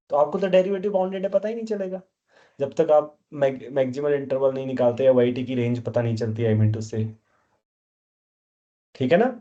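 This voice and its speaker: Guy teaching math, high voice, mellow tone, kinda dull lo-fi sound, keeps grilling the class. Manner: scolding, keeps questioning students. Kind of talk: classroom lecture.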